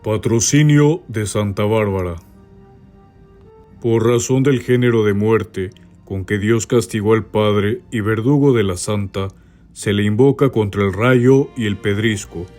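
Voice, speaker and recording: A man with a Costa Rican accent giving a steady, measured devotional reading of a saint's life. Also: on the low side, faint music behind. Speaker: reader.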